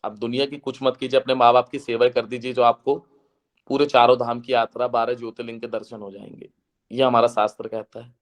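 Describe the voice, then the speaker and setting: A man giving an earnest devotional lecture to a seated audience, his voice slightly hoarse, slowing into a chant when he recites verses. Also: mid-range voice, little pitch movement. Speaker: guest speaker.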